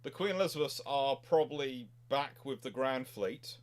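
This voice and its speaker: A man's voice: mid-range voice, moderate pace. Rambling man chatting about history. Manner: rambling, digressive explanations with repeated words. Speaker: naval history show host. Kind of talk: casual panel chat.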